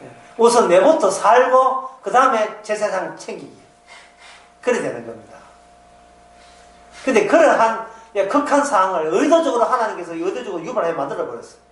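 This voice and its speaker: Lively Gyeongsang Korean preacher in a roomy hall. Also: male voice, high voice, normal speed, recorded from a distance. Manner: lively, rhetorical questions, dialect asides. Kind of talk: sermon. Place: church hall. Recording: roomy hall, speaker off-mic.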